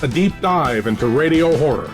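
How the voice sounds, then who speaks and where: A man announcing and narrating, dramatic, dropping to a hushed, dreadful tone. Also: a little high, lively intonation, normal speed, long reverb tail, faint music behind. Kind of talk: scripted promo and narration.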